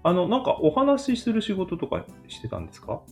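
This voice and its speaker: A woman's voice: medium pitch, huge pitch swings, a little fast, darkish tone, faint music behind. A woman hosting a friendly, chatty interview and putting questions to her guest. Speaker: interviewer and show host.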